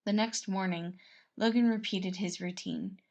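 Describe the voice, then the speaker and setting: A woman's voice: mid-range voice, fairly even intonation, a little slow, darkish tone, lo-fi sound. A woman reading a story aloud as narrator, in a storytelling style. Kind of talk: storytelling narration of fan fiction.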